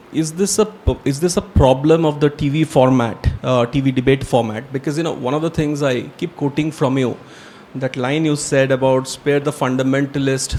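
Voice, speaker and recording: A man's voice: on the high side, darkish tone, a little hiss or hum. A man, moderating a festival panel and asking long, winding questions. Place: literature festival stage.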